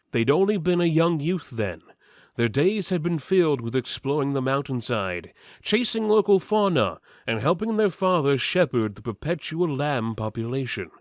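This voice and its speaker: Reading fantasy fiction with mock seriousness, a man narrates in a theatrical style yet never cracks, delivering absurd lines deadpan. His voice is mid-range, and the audio is studio quality with no echo.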